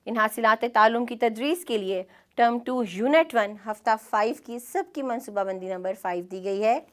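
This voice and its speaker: Pakistani woman teaching a scripted lesson. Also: on the high side. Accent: Pakistani Urdu. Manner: clear, measured instructional delivery.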